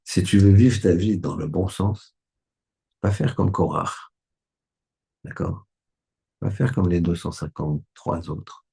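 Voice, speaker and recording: Low gravelly guy, a rabbi teaching a torah class, chatty, keeps asking if you follow. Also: steady tone, takes it slowly, long pauses, mellow. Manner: conversational, asks listeners for agreement. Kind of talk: Torah lesson.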